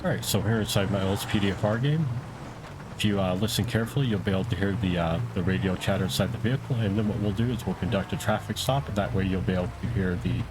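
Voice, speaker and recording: A man giving a casual, conversational gaming tutorial in an unhurried, slightly hesitant way. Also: sits low, noisy background. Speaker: streamer and tutorial host, playing a police officer. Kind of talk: casual tutorial and game roleplay commentary.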